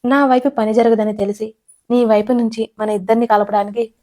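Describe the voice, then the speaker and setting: A woman's voice: on the high side, fairly even intonation, a little fast, warm tone, lightly acted. A woman voicing a young husband who laughs things off with a teasing, sarcastic manner. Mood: mocking.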